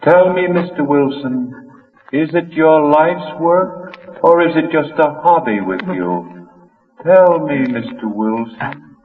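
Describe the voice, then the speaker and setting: A slow taunting phantom voice. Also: male voice, a little high, expressive. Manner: slow, taunting, sing-song. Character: mocking male voice in the vents, accusing. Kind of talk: 1940s radio acting. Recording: tinny, echoing voice on an old radio broadcast.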